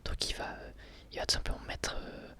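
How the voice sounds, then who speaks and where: A man whispering an ASMR review of an anime episode as the channel host, speaking hesitantly with frequent filler sounds and restarts. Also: fairly quick. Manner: soft whisper throughout.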